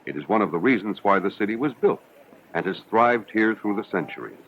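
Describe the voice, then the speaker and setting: A man reading scripted narration for an educational film in a measured, formal, explanatory way. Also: fairly low pitch, animated. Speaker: documentary narrator. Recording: dull, hissy 1970s educational film soundtrack.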